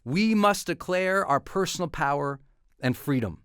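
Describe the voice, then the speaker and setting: A man's voice: fairly high pitch, animated, normal speed, fairly bright tone, clear, resonant tone, no room sound, clean studio sound. A man giving an emphatic, declamatory reading of a scripted inspirational manifesto.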